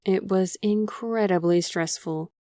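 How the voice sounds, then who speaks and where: A woman's voice: mid-range voice, measured pace, dark tone, no echo, close to an everyday voice. Woman acting an earnest, apologetic official, dry close sound. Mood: polite, awkward. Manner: polite, earnest, formal. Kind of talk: audio drama acting.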